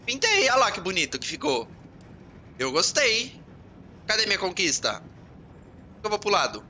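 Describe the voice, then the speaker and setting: Excitable Brazilian gamer, bright voice. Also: male voice, high-pitched, moderate pace, slight background noise. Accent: Brazilian Portuguese. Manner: excitable, joking, swears, talks to himself. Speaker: gaming channel host. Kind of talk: casual let's-play commentary.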